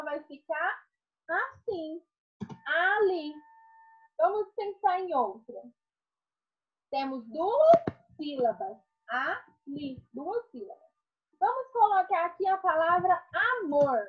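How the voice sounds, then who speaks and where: Woman, schoolteacher, high voice, slow didactic delivery, dull lo-fi recording. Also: sing-song. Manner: slow and didactic, asks questions and answers them herself. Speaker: primary school teacher. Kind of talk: recorded online review lesson.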